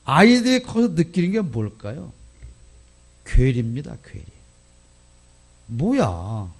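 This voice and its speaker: A male pastor giving a sermon in an animated, emphatic way, often putting questions to the congregation. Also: fairly high pitch, slow pace, breathy edge.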